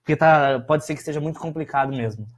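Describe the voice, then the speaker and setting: Male Brazilian pastor, casual and emphatic, husky middle voice. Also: a little high, fast talker. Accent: Brazilian Portuguese. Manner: animated, emphatic, scolding. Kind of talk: casual talk to viewers.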